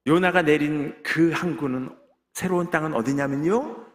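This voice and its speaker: A middle-aged man delivers a testimony sermon with a fairly high voice, driving each point home and sealing it with an amen. The church sanctuary around him rings with a long reverb. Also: normal speed. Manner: emphatic preaching with frequent amens and call-and-response. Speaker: pastor giving testimony.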